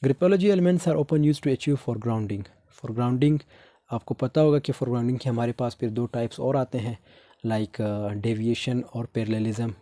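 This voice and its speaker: A young man teaching a stylistics lesson, explaining in Hindi and slowly reading out notes. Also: mid-range voice, warm tone, no echo. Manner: mixes Hindi explanation with slow reading of English text.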